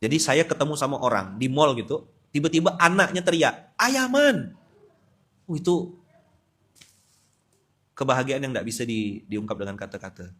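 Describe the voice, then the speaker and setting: A man, preaching a lively, humorous sermon with sudden loud emphatic bursts. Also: mid-range voice, quick pace, husky. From West Kalimantan, Indonesia. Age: 40s. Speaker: Islamic preacher. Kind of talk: sermon at a dawn study gathering.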